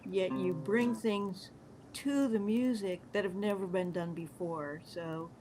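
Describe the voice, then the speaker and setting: A woman's voice: mid-range voice, slow pace, dark tone, soft background music. A woman chatting on a video call, talking admiringly with small hesitations. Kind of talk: casual roundtable chat.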